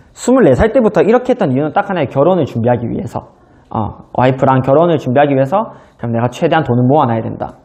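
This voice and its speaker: A man in his thirties gives a motivational seminar talk. His voice sits a little high but sounds mellow and soft. He tells his own story to the audience in an easy, conversational way. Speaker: business seminar speaker. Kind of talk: motivational lecture.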